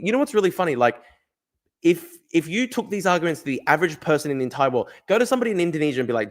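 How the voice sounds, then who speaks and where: Fast-talking blunt man. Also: a little high. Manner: blunt, argumentative, swears freely, repeats phrases. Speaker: livestream host reading chat. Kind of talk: casual livestream chat.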